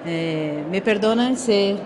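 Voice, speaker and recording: A woman with a Brazilian Portuguese accent moderates a conference session, speaking slowly and carefully in a language that is not her first. She often restarts words as she goes. A faint hiss lies under the voice in the room. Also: medium pitch, lively intonation. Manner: slow, careful, with frequent restarts.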